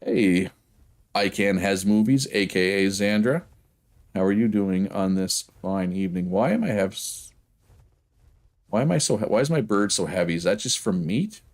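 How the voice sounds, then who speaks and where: With a voice on the low side and lively intonation, a Prince Edward Island Canadian man rambles casually at normal speed to his game livestream viewers. "Right?" pops up often as he talks.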